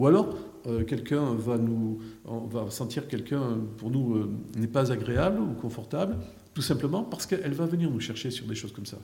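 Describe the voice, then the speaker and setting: The man talks at a medium pitch, and audible echo from the room surrounds him. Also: ordinary pitch variation, moderate pace. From southwest France, Tarbes. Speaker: hypnotherapist and stage hypnotist. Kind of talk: radio interview. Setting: radio studio.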